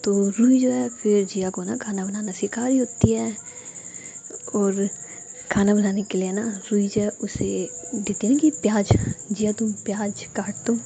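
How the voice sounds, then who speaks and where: Young female storyteller, hushed and mellow, casual narration. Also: mid-range voice, steady tone, unhurried, creaky, slightly rough. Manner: soft, hushed, half-whispered.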